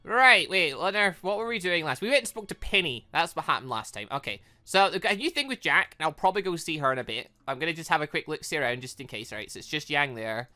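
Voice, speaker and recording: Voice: medium pitch, sing-song, quick pace, hardly any pauses, sharp tone. A British let's play host giving casual commentary on a game, rambling and thinking aloud. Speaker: gaming video host.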